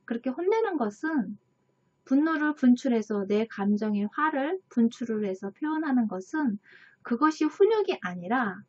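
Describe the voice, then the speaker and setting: A woman's voice: a little high, very animated, normal speed, darkish tone. A woman hosting a book channel, talking earnestly in a casual tone and sometimes acting out angry remarks. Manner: earnest, acts out quoted angry lines. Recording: dull lo-fi recording.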